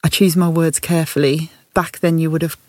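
A woman's voice: low voice, flat delivery, fairly quick, a little mellow, no room sound. A woman with a Birmingham accent, from the Midlands, telling her career story thoughtfully as a podcast guest, often laughing. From English Midlands. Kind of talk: candid reflective conversation.

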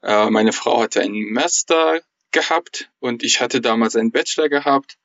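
A young man from Iran, talking casually as a podcast guest in German, pausing often with fillers as he searches for words. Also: mid-range voice, fairly bright tone, no room sound, highs cut off. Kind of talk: casual interview conversation.

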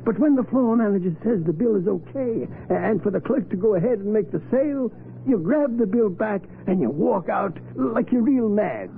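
An actor playing a scheming old shopkeeper in a 1940s radio drama, coaxing, with a stammer that repeats words. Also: male voice, sits high, expressive, normal speed, vocal fry. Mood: instructing, sly. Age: older. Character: scheming old candy-store man running a swindle. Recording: tinny, hissy old radio broadcast.

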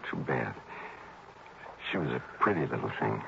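A man's voice: very deep voice, expressive, normal speed, vocal fry, full character voice. An actor playing a matter-of-fact man helping the detective, in an old radio drama. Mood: sober. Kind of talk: 1960s radio drama acting. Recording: muffled old radio broadcast with hiss.

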